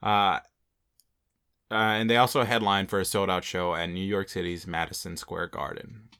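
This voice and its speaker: A young man co-hosting a casual podcast, reading off facts in a relaxed, joking way, with a slight Mexican accent. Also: sits low, moderate pace, clean tone. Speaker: podcast co-host. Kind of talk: casual chat.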